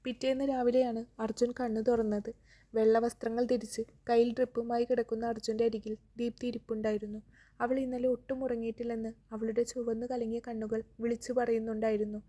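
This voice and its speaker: Woman storyteller, scripted narration, steady, flat delivery, husky. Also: on the high side, fairly quick.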